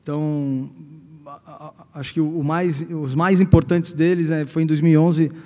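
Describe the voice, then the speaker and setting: A man's voice: fairly high pitch, flat delivery, moderate pace, warm tone. A middle-aged Brazilian man giving a personal career talk to an audience as a company president, hesitantly repeating words as he searches for the next one. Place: large hall at a university event. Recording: echoey hall with long reverb.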